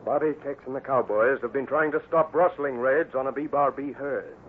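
A man's voice: medium pitch, moderate pace, close to an everyday voice. A man narrating an old radio Western serial as its announcer, emphatic and suspenseful. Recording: noisy, narrow-band old radio recording.

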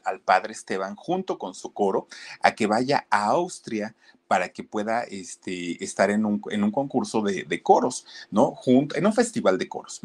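Male narrator with a Mexican accent, low-pitched and very lively, chatty and direct with his listeners. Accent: Mexican Spanish. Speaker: history storyteller, channel host. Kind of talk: casual storytelling to an online audience.

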